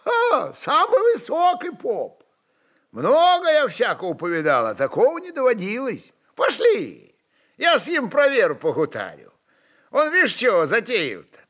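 Eager, high-voiced old Cossack. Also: male voice, wildly swooping pitch, unhurried, fairly bright tone, exaggerated voice. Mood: stubborn, wistful. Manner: rustic folksy dialect speech. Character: eager, stubborn old Cossack man, mischievous and wistful. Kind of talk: dramatized literary reading.

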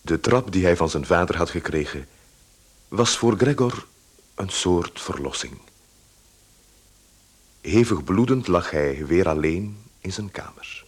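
An actor playing a composed storyteller, giving scripted literary narration in a radio drama. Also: male voice, low-pitched, expressive, unhurried, long pauses, heavily acted. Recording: clear background noise.

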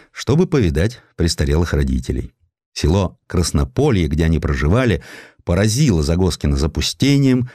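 Male narrator for historical prose: low voice, highly varied intonation, theatrical storytelling, close dry studio sound. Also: darkish tone, no echo. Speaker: audiobook narrator. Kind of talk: dramatized literary narration of a historical sketch.

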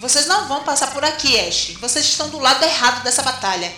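A high, bright female voice rings in an echoey space over faint music. It is a woman acting a brave young rebel soldier in an audio drama, earnest, urgent and ready to sacrifice herself. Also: animated, fast talker. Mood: pleading, defiant.

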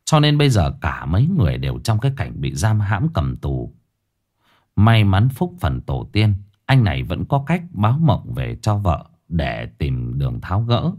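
A man narrating a folksy ghost story in a lively way. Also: sits low, moderate pace.

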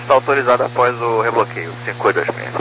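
A man's voice: mid-range voice, animated, quick pace, sharp tone. A man speaking as a pilot in procedural phrases over a two-way aviation radio. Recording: humming, noisy aviation radio.

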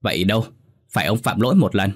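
A man voicing a sharp-tongued middle-aged village wife who scolds her husband with indignant scorn, in a spoken ghost story. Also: lowish voice, quick pace, husky.

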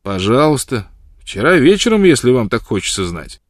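Gruff older frontiersman, read by a man, blunt, blustering, dry close sound. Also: mid-range voice, very animated, moderate pace, dry recording, pitched above the performer's own voice.

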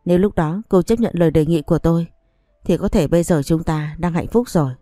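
A woman's voice: fairly low pitch, fairly quick, no echo, studio quality, faint music behind, natural voice. A woman reading a story aloud, voicing a stern young husband who speaks to his wife in a cold, accusing way. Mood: weary. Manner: cold, accusing, flatly reproachful.

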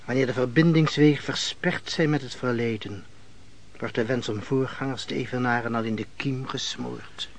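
Actor as a grave, philosophical servant-host, medium pitch. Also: male voice, creaky, natural voice. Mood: grave, reflective. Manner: measured, grave, formal. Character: calm, philosophical male host, deferential to his lord. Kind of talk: theatrical Dutch radio play acting. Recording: faintly noisy old radio play recording.

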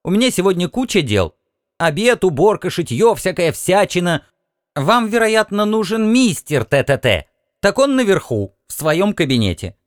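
A man voicing a curt, fussy alien housewife with a sharp metallic voice, in an audiobook reading. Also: sits high, very animated, moderate pace, no room sound, clean studio sound, voice pushed up. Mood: busy, brusque. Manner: snappish, dismissive.

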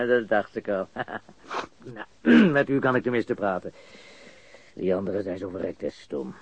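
A man's voice: fairly low pitch, sing-song, unhurried, creaky, slightly rough, no room sound, dull audio, full character voice. A cocky, nervy criminal in a radio crime drama, with a dry, close sound. He stammers, repeats himself and swears while confessing to his interrogator. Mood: smug, amused. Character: cocky, jittery male criminal suspect confessing under questioning.

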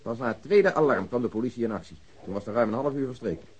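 An actor playing a wry, matter-of-fact police detective in a Dutch radio crime drama, briefing in an orderly way. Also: male voice, mid-range voice, lively intonation, fast talker, a little mellow, breathy edge. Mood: formal, measured.

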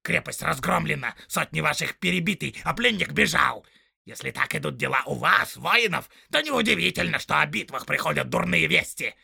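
A man's voice: fairly high pitch, expressive, moderate pace, vocal fry, pushed and bright, breathy edge, no room sound, studio quality, voice pushed up, heavily acted. A man voicing a small, spiteful male orc tracker who whines, mocks and snarls. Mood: snarling. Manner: whining, snarling, mocking.

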